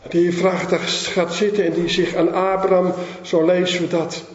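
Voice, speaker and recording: A man preaching a sermon and reading from the Bible, emphatic with dramatic swings in pitch and loudness. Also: little pitch movement, normal speed. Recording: echoey hall, dull lo-fi sound.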